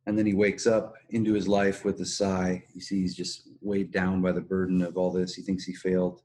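Male podcast host, lowish voice, casual analytical recap, explanatory delivery. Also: little pitch movement, normal speed, mellow.

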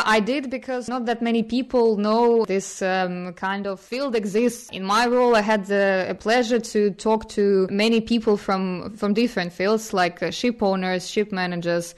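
A woman whose first languages are Ukrainian and Russian answers interview questions. She talks in a smooth, clear voice at a middle pitch. She pauses often with fillers and laughs softly. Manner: thoughtful, hesitant, with frequent fillers and soft laughs. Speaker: guest.

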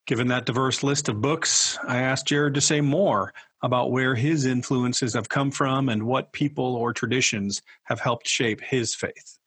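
Host: male pastor, husky mid-pitched voice, dry close sound, earnest and measured delivery. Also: steady tone, fairly bright tone, no room sound. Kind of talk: podcast hosting and reflection.

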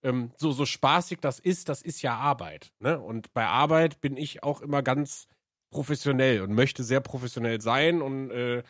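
A man with a medium-pitched, fairly bright voice co-hosts a podcast at normal speed, chatting casually like a streamer and laughing easily. The audio is studio quality with no room sound.

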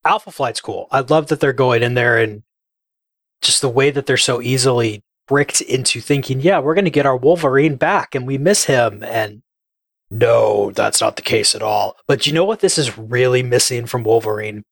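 Guy on a podcast, laid back, mid pitch, dry mic. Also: normal speed, creaky, no room sound. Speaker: podcast co-host. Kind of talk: casual podcast chat.

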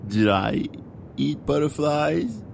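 A man acts out a drunk airline passenger with a gravelly voice, drawling slowly and tripping over his own words. He repeats himself, muddled and dim-witted, in a comic radio play. A faint engine rumble hums behind him. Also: sing-song, full character voice. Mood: befuddled.

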